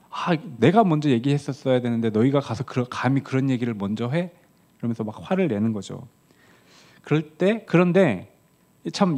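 A man preaching an early-morning sermon as pastor, in a conversational style that rises on quoted lines and drops soft on key words. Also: mid-range voice.

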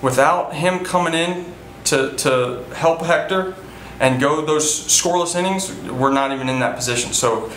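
A man's voice: a little high, moderate pace, a bit bright, roomy sound, a little hiss or hum, poor audio. A man in his thirties, a baseball team manager, answering post-game questions in an earnest way with many fillers and restarts. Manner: earnest, repeats himself, frequent fillers. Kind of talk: post-game press interview. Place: indoor press room before a sponsor backdrop.

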